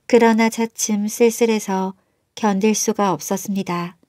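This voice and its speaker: A woman's voice: mid-range voice, fairly even intonation, measured pace, a little mellow, no echo, studio quality. A woman reading a scripted folktale as a bedtime storyteller.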